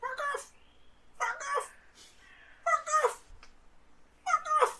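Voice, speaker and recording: In a put-on character voice, the speaker whines very slowly at an extremely high, shrill pitch. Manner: outraged, shrill.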